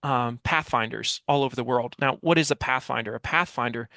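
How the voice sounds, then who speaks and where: A man in his forties speaks as an expert guest, with some creak in a mid-pitched voice. He explains emphatically, posing questions and repeating phrases. The headset sound is dry, with little room in it. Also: fairly quick, sharp tone, no echo. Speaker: guest, communication expert and author. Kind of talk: explanatory interview talk with acted-out example dialogue. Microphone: headset mic on a video call.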